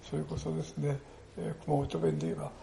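Older guy pastor giving a sermon, gravelly and kinda high, echoey church hall. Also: little pitch movement, quick pace, noisy background. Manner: earnest storytelling, peppers phrases with "desune".

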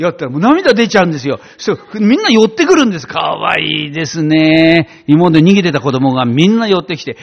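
A man preaching and telling his own testimony in a heartfelt, animated way, on a dull lo-fi recording. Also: a little high, gravelly, slightly rough. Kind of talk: personal testimony sermon.

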